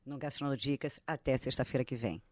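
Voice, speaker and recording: A woman's voice: extremely low pitch, brisk. A woman co-hosting a radio show, bubbly and effusive, laughing often in casual chat. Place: radio studio.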